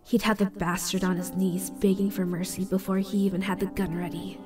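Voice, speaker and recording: A woman's voice: medium pitch, little pitch movement, a little fast, over music, close to an everyday voice. A woman voicing a defiant young boy held captive in an audio drama, sullen in manner. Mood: bitter inner thought.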